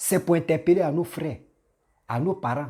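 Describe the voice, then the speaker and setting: The voice is somewhat breathy and unhurried, at a fairly slow pace. The recording is very clean, with a silent background. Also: man. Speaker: YouTuber. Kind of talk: video commentary. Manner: emphatic, preachy.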